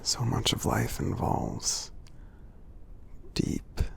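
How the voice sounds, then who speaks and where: A man playing a kind, gentle giant in an ASMR roleplay, speaking softly and reassuringly in a husky, half-whispered voice with many pauses. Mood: soothing, supportive. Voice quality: husky, breathy, gravelly low voice. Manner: slow, gentle, reassuring, pausing often. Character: gentle friendly male giant, supportive and kind.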